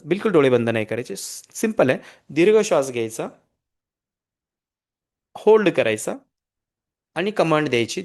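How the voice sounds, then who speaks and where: A man giving a lively counseling lecture over a video call. He repeats key points, checks in with his listeners often and slips English phrases into his speech. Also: mid-range voice. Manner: energetic, repetitive, mixes in English phrases. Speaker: counselor and hypnotherapist. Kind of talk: motivational online lecture.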